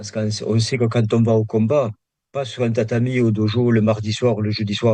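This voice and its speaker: Over a quiet background, a man speaks in a dark, mellow tone with monotone, flat intonation. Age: 60s. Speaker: meditation teacher. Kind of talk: interview. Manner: halting.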